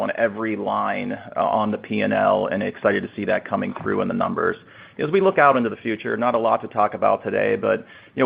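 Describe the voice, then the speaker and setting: A man's voice: lowish voice, creaky, slightly rough. A man answering as a finance executive on an earnings call in informal corporate talk, over a narrow phone line. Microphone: conference call line.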